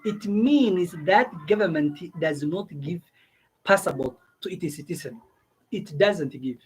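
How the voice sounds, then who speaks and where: Husky man explaining with repeated questions. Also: high-pitched, poor audio. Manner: repeats himself, asks listeners questions. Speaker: video host giving visa advice. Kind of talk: casual explainer talk to camera.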